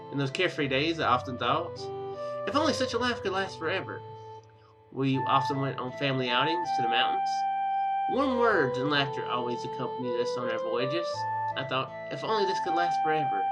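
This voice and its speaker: In a rough recording, a medium-pitched man hosts a Let's Play series casually, talking and reading the story text out loud. He comes across hesitant and rambling, frequently correcting himself.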